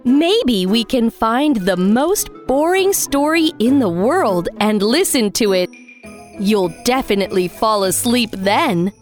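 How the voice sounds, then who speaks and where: A gentle motherly queen, as a woman puts her on. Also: a little high, animated, slow, faint music behind, pitched above the performer's own voice. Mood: coaxing. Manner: soft, coaxing and motherly.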